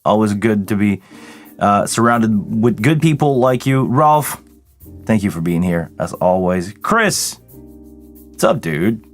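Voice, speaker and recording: Soft background music plays as a live sound engineer from Quebec, Canada, runs a relaxed livestream Q&A, greeting viewers by name. Tired, with a voice deeper than usual this morning, he speaks on the low side, slowly but animatedly.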